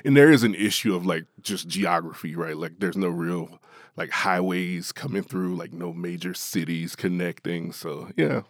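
A man from Appalachia, an author being interviewed, who talks in an animated, chatty way and laughs often. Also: sits low, normal speed, dry recording, studio quality. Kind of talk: interview guest.

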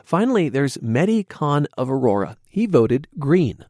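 Lively-voiced man narrating a news report. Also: mid-range voice, no room sound, clean studio sound. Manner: measured, lively intonation. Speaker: radio reporter. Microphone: studio microphone.

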